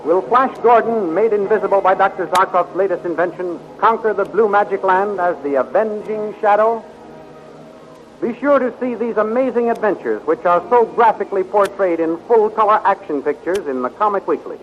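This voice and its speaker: An actor announcing an adventure serial in an emphatic, declamatory 1930s radio style. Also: male voice, high voice, normal speed, lightly acted. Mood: dramatic, promotional. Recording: muffled, noisy 1930s radio recording.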